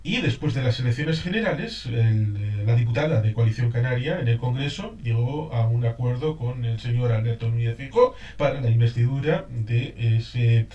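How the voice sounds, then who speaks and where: A man asking an interview question in a measured, formal way, pausing as he goes. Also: mid-range voice, warm tone. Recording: roomy, distant, dull lo-fi sound.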